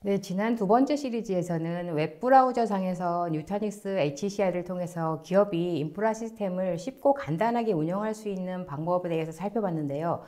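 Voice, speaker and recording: A woman's voice: lowish voice, a little fast, few pauses, mellow. A woman hosting a webinar, reading scripted announcements in a polite, formal presenter manner. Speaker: webinar host.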